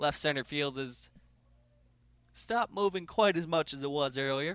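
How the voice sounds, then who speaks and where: A man's fairly high, bright, sharp voice, upbeat and enthusiastic, over a quiet background. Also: dry sound with no echo. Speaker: baseball play-by-play broadcaster. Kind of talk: live baseball play-by-play commentary. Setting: stadium broadcast booth, solo on the call. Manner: fast, fluid, energetic play-by-play patter, calling each pitch and count; conversational and upbeat, enthusiastic about big plays and stats.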